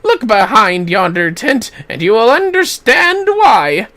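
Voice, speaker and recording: A performer acts out a fussy male villager from a fantasy game. The voice sits high and swoops around, declaiming in formal, archaic phrases with frightened indignation. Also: big pitch swings, slow pace, pushed and bright, exaggerated voice. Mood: earnest, indignant.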